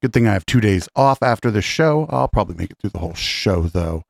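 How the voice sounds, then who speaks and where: A man with a hoarse voice hosting a live-streamed show in a relaxed, casual way, clearing his throat now and then. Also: fairly low pitch, a little fast, no echo, clean studio sound. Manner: relaxed, loose delivery with fillers. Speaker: podcast host. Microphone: studio microphone.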